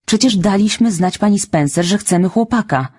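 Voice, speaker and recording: A woman voicing a stern, brisk middle-aged spinster who exclaims sharply and indignantly. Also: mid-range voice, lively intonation, a little mellow, husky, pitched above the performer's own voice.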